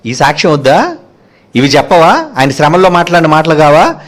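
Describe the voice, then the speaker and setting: ఒక పురుష బోధకుడు, ప్రశ్నల వర్షం కురిపిస్తూ, చదివిన వాక్యాన్ని మళ్ళీ చెబుతూ ఆవేశంగా ప్రసంగిస్తున్నాడు. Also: male voice, a little high, sing-song, brisk. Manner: fiery, rhetorical questions, repeats each verse after it is read. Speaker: preacher. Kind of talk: sermon.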